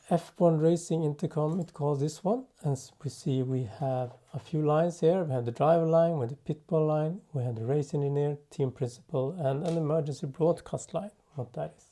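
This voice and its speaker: A man presenting an unscripted software tutorial in a halting way, thinking aloud as he works. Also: a little high. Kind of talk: unscripted software demo narration.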